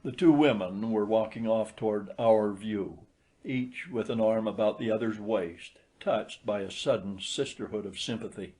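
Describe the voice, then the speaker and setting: A man's voice: lowish voice, normal speed, a little mellow. A man reading a literary short story aloud as an audiobook narrator.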